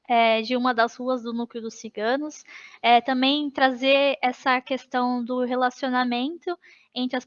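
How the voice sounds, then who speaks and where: A woman's voice: a little high, fairly bright tone. Brazilian woman explaining a lesson. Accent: Brazilian Portuguese. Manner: explanatory, with fillers and restarts. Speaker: teacher trainer. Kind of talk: presenting a lesson. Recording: dull lo-fi online meeting.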